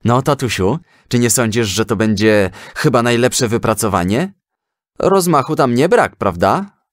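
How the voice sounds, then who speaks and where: A man voicing an eager, proud young schoolboy in a children's story, earnest and animated. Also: medium pitch, a little slow, no echo, clean studio sound, lightly acted. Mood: eager, questioning.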